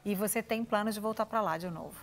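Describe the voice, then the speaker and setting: A woman's voice: mid-range voice, quick pace. A middle-aged woman hosting a TV cooking show, chatty and affectionate, full of little interjections. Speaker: TV show host. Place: TV studio kitchen set.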